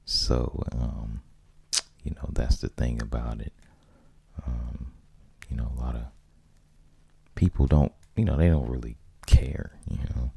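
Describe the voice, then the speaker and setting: Male ASMR host, American, soft-spoken casual monologue, dark mellow tone, very dry close recording. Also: extremely low pitch, fairly even intonation, unhurried, gravelly, pauses often, husky, dry recording. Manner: rambling, conversational.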